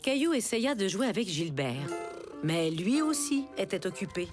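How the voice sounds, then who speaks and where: A woman as the gentle narrator of a French-dubbed preschool cartoon, reading scripted storybook-style narration. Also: mid-range voice, very animated, moderate pace, over music, natural voice. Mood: gentle storytelling.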